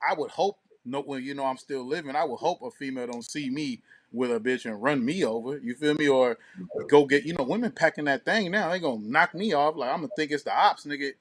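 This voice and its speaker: A man co-hosting a casual radio talk show, talking in slangy, profane, animated banter and storytelling. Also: medium pitch, fairly quick.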